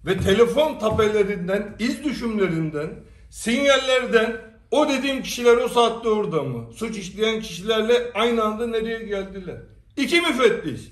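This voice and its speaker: High-pitched man speaking to his followers in an emphatic storytelling monologue full of rhetorical questions. He is recorded in an echoey room. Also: lively intonation, moderate pace, recorded from a distance. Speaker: commentator addressing followers. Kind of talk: direct-to-camera monologue. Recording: echoey room, away from the mic.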